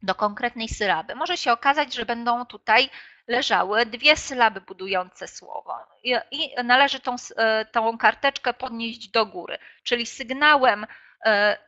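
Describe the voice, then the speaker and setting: A woman's voice: on the high side, a little slow, pushed and bright. A woman presenting an online teacher workshop, explaining classroom games with frequent hesitations and filler sounds. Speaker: teacher trainer. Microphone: video call. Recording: dull lo-fi online call audio.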